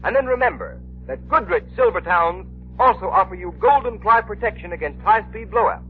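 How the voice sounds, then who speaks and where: A man's voice: high-pitched, lively intonation, fairly quick, slight background noise. A man announcing and reading a persuasive commercial in 1930s radio style. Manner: persuasive, emphatic. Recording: tinny 1930s radio recording.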